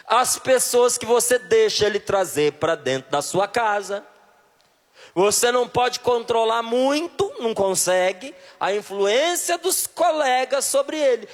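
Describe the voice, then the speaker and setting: High-voiced preacher from Brasília, reverberant hall. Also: male voice. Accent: Brasília Portuguese. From Brazil, Brasília. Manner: questions the audience directly, emphatic. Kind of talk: sermon. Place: large hall with a live audience. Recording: long reverb of a large hall.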